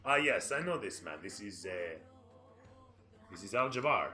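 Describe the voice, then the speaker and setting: Man as skeptical, courteous male worker in a tabletop game; halting questions, roomy sound. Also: fairly low pitch, lively intonation, bright, forceful tone, faint music behind, voice pushed down. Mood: courteous, probing.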